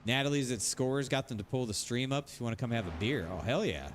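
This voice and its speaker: Streamer dude ranting about a race, mid voice, loose and sweary, noisy engine hum behind. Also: male voice, mid-range voice, animated, fast. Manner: rambling, repetitive, swears freely. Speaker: sim racing streamer. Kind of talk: casual livestream rant.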